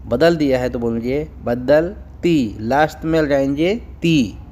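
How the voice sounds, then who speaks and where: A man teaching phrases in a language lesson, saying each one slowly and repeating it. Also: mid-range voice, a little mellow.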